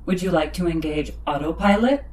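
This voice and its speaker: A woman's voice: on the low side, brisk, darkish tone, a little hiss or hum, close to an everyday voice. Echoing, formal female ship computer, acted by a woman. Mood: formal, helpful. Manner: formal, precise, literal-minded. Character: polite, literal female ship computer assistant, formal and unflappable. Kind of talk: audio drama acting.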